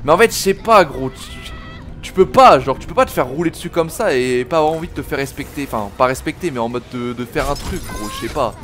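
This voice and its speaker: Over soft background music, a gaming video host with a medium-pitched, fairly bright voice talks fast and animatedly. He's angry, swearing and slangy, commenting on the game he's playing in a let's play and addressing viewers as "les gars".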